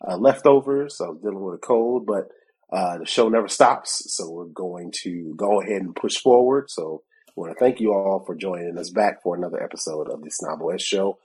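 A man co-hosts a tech podcast in casual chat, his deep, darkish voice a little fast with a breathy edge. He's a bit congested from a cold, laughs often, and acts out both sides of conversations.

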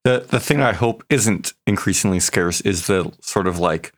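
A man co-hosting a podcast in casual, emphatic conversation with a gravelly, creaky voice. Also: low voice, normal speed. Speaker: podcast co-host.

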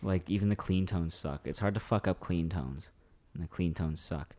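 Joking, swearing young man, slightly low. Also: moderate pace, a little mellow. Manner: laughing, swearing, loose and jokey. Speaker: podcast co-host, band member. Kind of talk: casual chat.

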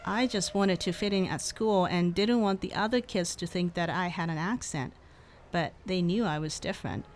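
A woman's voice: on the low side, moderate pace, close to an everyday voice. A young woman playing a chatty, upbeat student friend. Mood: candid. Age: young adult.

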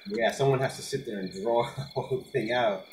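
A man with a middle-pitched voice banters as a band guest. His talk is casual and conversational. Faint noise is audible behind him. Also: a little fast. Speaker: musician, band member guest.

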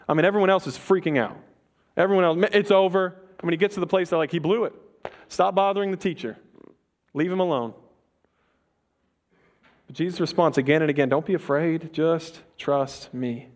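Young male pastor, slightly high voice, casual conversational sermon delivery. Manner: casual, conversational preaching with quick asides.

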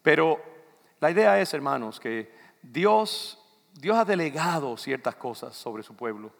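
With a sing-song, unhurried delivery, an older man from the Dominican Republic preaches a loose, conversational sermon in a church sanctuary, often turning to the congregation. He is a pastor with a Dominican Spanish accent, and his voice sits a little high and sounds creaky. The long reverb of a church hall is audible.

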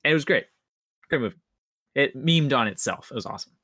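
A man with a bright, forceful voice at middle pitch chats on a podcast panel. He thinks aloud, often repeating phrases as he goes. The recording is very dry. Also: animated, fairly quick, dry recording. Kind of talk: casual chat.

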